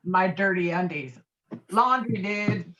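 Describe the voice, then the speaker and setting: A woman playing a brash, bossy, hot-headed man in a script table read, forceful and emphatic. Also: medium pitch, expressive, slow, lo-fi sound. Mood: smug, insistent. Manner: forceful, emphatic, repeating himself.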